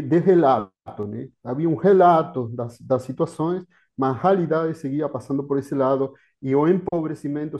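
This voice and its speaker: A university lecturer, a native Spanish speaker with an Argentine accent, gives an academic panel talk over a video call, with many fillers and restarts. His voice is mid-range and warm.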